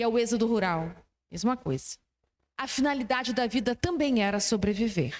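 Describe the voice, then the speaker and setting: At a moderate pace, a woman talks in a plain, everyday voice that is fairly high in pitch, with lively intonation. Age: 60s. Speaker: spiritist speaker. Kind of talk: talk with slides. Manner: casual.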